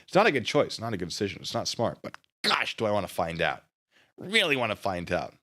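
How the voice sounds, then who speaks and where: Sarcastic, lively-pitched man streaming. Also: brisk. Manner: sarcastic, rambling, mock-petty. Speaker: live streamer. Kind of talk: casual stream commentary.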